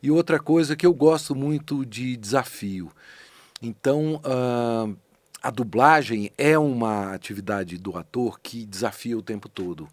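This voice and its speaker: Rich: A middle-aged Brazilian man in a podcast studio, talking about his craft as a guest with animated emphasis and frequent restarts. His voice sits at a mid pitch. It is recorded dry and close. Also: measured pace, no room sound. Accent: Brazilian Portuguese. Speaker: voice actor and dubbing director, guest. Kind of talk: casual conversational interview.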